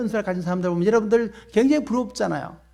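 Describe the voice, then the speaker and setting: A man with a Gyeongsang accent, ordinary pitch variation, very clean recording and silent background. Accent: Gyeongsang dialect, noticeable. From Daegu, Gyeongsang region, South Korea. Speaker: pastor. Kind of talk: sermon. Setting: church service with congregation.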